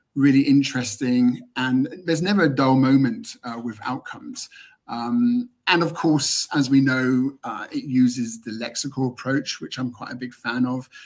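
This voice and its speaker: Someone with a British accent speaks at a moderate pace with fairly even intonation, hardly any pauses and big swings in loudness. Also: man, medium pitch for a man. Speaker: English teacher. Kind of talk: webinar interview.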